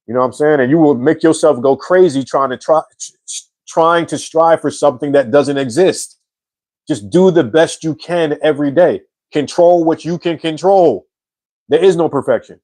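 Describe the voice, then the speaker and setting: A man's voice: medium pitch, no echo. A man in his forties hosting a casual live chat, reading viewer comments and answering in a slangy, easygoing way. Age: 40s. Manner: slangy and relaxed, says bro and man a lot.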